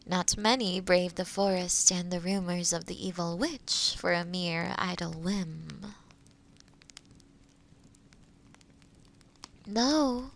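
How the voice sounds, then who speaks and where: A woman playing a kind, gently teasing forest witch in an intimate audio roleplay, speaking softly and thoughtfully with hums and pauses. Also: on the low side, gravelly. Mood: gentle, coaxing.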